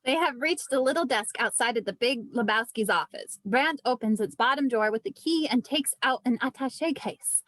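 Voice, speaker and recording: A woman reading screenplay stage directions as scripted narration, with vivid, deliberate storytelling. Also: fairly high pitch, a bit bright, no echo, low-quality recording.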